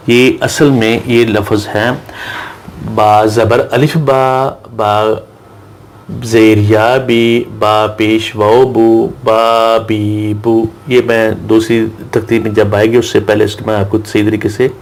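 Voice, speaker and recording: Male Quran reading teacher, low and monotone, slow chanted letter drills. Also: creaky, a little hiss or hum. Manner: recites Arabic verses slowly in a melodic chant. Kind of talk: slow drilled recitation lesson.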